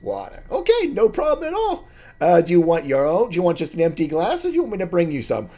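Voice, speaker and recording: A man voicing a jovial male halfling bartender who greets guests loudly and chats on and on. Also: high voice, wildly swooping pitch, fast, voice pushed up, exaggerated voice. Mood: boisterous, friendly. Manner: loud, chatty and welcoming.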